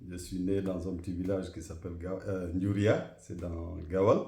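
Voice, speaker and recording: A middle-aged man from Guinea, answering interview questions in a measured, formal way with frequent hesitations. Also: low-pitched, steady tone, a little mellow, roomy sound. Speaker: interview guest, association president.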